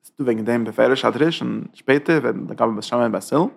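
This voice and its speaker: A man giving a Hasidic text lesson, talking in halting Yiddish-style German that is full of Hebrew and English terms. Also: medium pitch, vocal fry, husky. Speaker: Torah teacher.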